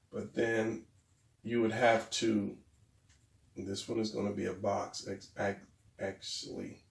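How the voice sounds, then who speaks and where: A man's voice: on the low side, gravelly, a little mellow, echoey room, distant mic. A man teaching drawing in a casual, hesitant and rambling way, his voice a little stuffy and worn. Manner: hesitant, rambling, self-deprecating. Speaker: drawing instructor.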